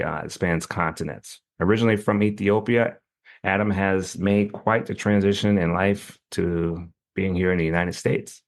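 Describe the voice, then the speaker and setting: A male podcast host with a very low voice. He speaks in an easygoing, conversational way and trips over his questions as he asks them. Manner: friendly, loose, stumbles over questions. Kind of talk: casual interview.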